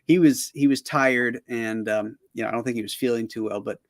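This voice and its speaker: A man's voice: medium pitch, fairly even intonation, a little fast, no echo, studio quality. A middle-aged man hosting a casual interview over a video call, telling anecdotes with frequent laughs. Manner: chatty, laughs often while telling anecdotes. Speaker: show host.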